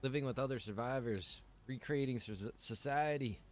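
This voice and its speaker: A man hosting a livestream, chatting casually to viewers in a rambling, halting way with informal asides. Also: medium pitch. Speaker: livestream host. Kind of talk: casual chat to stream viewers.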